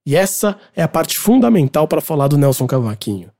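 A man's voice: a little high, sing-song, a little fast, warm tone. A man with a Brazilian Portuguese accent, hosting a casual podcast segment and giving chatty, opinionated music commentary.

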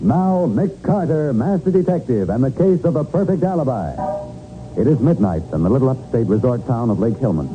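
A man narrating a 1940s radio drama as announcer, dramatic and measured. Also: mid-range voice, very animated, faint music behind. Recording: tinny old radio broadcast, faint noise.

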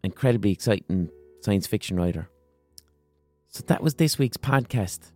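A hoarse man with an Irish accent hosting a solo podcast, talking passionately, swearing and throwing out rhetorical questions. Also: on the low side, expressive, moderate pace, darkish tone, faint music behind. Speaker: podcast host.

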